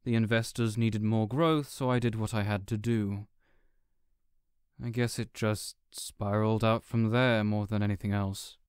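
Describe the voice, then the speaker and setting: A man's voice: fairly low pitch, fairly even intonation, unhurried, darkish tone, smooth, no room sound, studio quality, natural voice. A man playing a gloomy, self-doubting male supervillain businessman in an audio roleplay, speaking in a hesitant, reserved way. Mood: resigned. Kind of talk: character audio roleplay acting.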